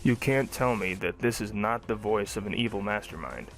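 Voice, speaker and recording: Low-voiced young man reviewing cartoons. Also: normal speed, soft background music. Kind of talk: scripted review narration.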